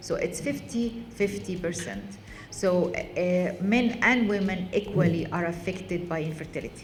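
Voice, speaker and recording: Intonation is lively and the pace moderate. The room echo is audible, and background noise is noticeable. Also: woman. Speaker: foundation executive giving a speech. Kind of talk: formal speech. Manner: halting with fillers.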